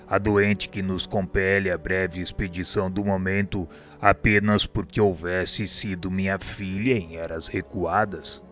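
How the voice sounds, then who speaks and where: A man voicing a wise, elderly spirit instructor in a radio drama, speaking in a calm, measured, teaching manner. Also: low-pitched. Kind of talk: amateur radio drama acting.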